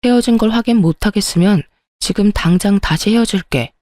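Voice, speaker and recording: A woman's voice: mid-range voice, fairly quick, mellow, no echo, studio quality, natural voice. A woman doing a whining, cheating husband. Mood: pleading. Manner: whining, making excuses. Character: cheating husband, defensive and pleading.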